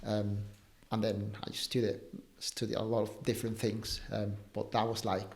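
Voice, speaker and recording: A man's voice: lowish voice, moderate pace, gravelly. Chatty young man from Spain. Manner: relaxed, chatty, many fillers like "um" and "like". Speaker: padel coach. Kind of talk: casual interview conversation.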